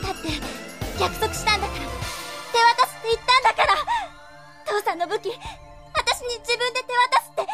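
A woman's voice: extremely high pitch, fairly quick, pauses often. A woman playing an anxious young girl with a pleading, emotional delivery in a radio drama. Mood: tearful defiance. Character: anxious young orchard girl, devoted to her late father. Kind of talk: Japanese anime-style radio drama acting. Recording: loud music behind the voice. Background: music.

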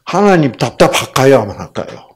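Gravelly husky guy doing a bible lecture, keeps asking the crowd questions, acts stuff out loud. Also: medium pitch, sing-song, fairly quick. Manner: peppers talk with rhetorical questions to the audience; acts out quoted lines with sudden loud bursts.

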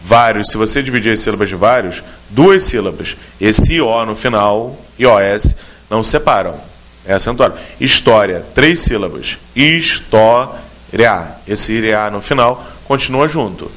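A man's voice: on the low side, lively intonation, moderate pace, fairly bright tone. A man with a Brazilian Portuguese accent teaching a grammar question in an exam-prep video lesson, explaining step by step and speaking straight to the student. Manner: clear, methodical explanations addressing the student directly.

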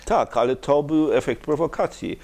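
A man in his fifties, a guest in a studio interview, talking haltingly with many pauses and restarts, speaking into a lapel mic. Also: a little high, darkish tone. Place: small studio with curtain backdrop.

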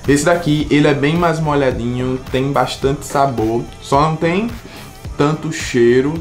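A man's voice: on the high side, moderate pace, music in the background. A Brazilian man vlogging a taste test, talking with enthusiasm while chewing his food. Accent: Brazilian Portuguese. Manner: enthusiastic, emphatic praise. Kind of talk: casual taste-test vlog.

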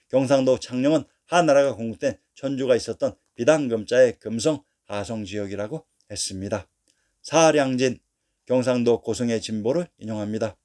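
A man giving a formal, steady scripted narration as a history narrator, reading dates and place names one after another. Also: mid-range voice.

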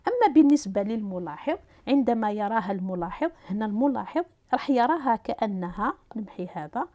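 A woman with an Algerian Arabic accent teaching a physics lesson, talking students through each step as she writes and draws, pausing with fillers and restarting. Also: fairly high pitch, animated, dark tone.

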